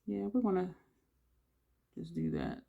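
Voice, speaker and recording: Thinking aloud as they apply makeup, this beauty vlogger rambles casually, sounding congested and breathing audibly between phrases. Their mid-range voice is unhurried, husky and dark with vocal fry, and the recording is lo-fi.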